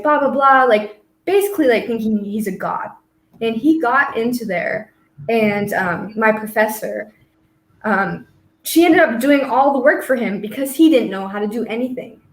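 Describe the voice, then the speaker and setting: A young American woman in her twenties, a college student guest, telling a story casually with lots of fillers. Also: a little high. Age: 20s. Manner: rambling, filler-heavy storytelling. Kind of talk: casual conversation. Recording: roomy echo.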